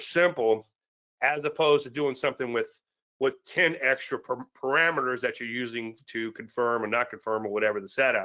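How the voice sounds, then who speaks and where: A man talks in a normal speaking voice, quick-ish in pace and lively in intonation. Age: 60s. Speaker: trading educator. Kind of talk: live webinar chart analysis. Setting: live online presentation. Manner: casual, conversational.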